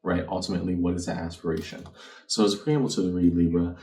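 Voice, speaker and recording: A man's voice: sits low, steady tone, quick pace, dark tone. A man giving a conversational tarot card reading, reflective and speaking directly to the viewer. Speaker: tarot card reader and channel host. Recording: roomy, distant mic with background noise.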